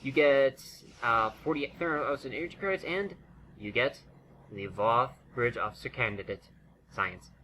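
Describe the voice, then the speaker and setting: Halting male gamer with bright, sharp voice. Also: medium pitch, a little hiss or hum, rough recording. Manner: rambling, halting, self-interrupting. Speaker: gaming video commentator. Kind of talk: casual unscripted game walkthrough commentary.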